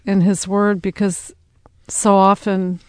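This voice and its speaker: Gentle devout American woman. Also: medium pitch, flat delivery, takes it slowly, clear, resonant tone, no room sound. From United States. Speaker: speaker's wife. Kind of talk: personal testimony, Bible reading.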